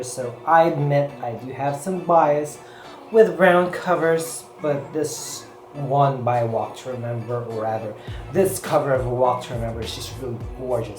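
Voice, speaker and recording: A chatty Filipino book vlogger, whose first language is Filipino, speaks at medium pitch while reviewing books casually to camera. She rambles and uses "you know" and "like" constantly, with echo and background music in the recording.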